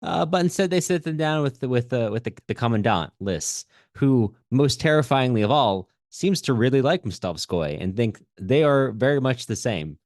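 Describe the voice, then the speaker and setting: A man hosting a podcast, talking through a book in a conversational, halting way as he thinks aloud. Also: mid-range voice, lively intonation, dry recording, clean studio sound. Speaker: podcast host. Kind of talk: conversational literary discussion.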